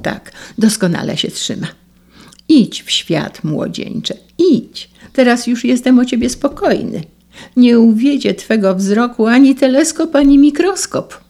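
A woman reading the part of an old male blindfold maker who gives warm, earnest counsel in a storybook reading. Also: a little high, animated, a little slow, voice pushed up.

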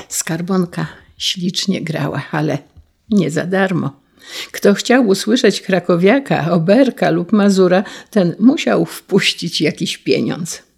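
A woman's voice: fairly low pitch, vocal fry, darkish tone, husky. A woman reading a children's story aloud, putting on voices for the characters. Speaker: narrator. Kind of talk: storybook narration.

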